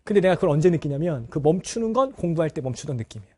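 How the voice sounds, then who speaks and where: A man with a husky, mellow voice that sits fairly high for a man and swoops up and down a lot. He is a middle-aged teacher speaking frankly to his students, turning a family story into a lesson and checking in with them as he goes. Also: big pitch swings, racing. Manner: candid, personal storytelling, addresses students directly. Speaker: Korean language teacher. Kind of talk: talk to students.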